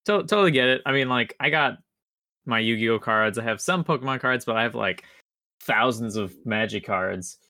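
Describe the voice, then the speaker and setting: Male podcast co-host with a crisp, bright edge and medium pitch, informal and loose in conversation. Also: moderate pace, no room sound, clean studio sound. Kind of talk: casual podcast chat.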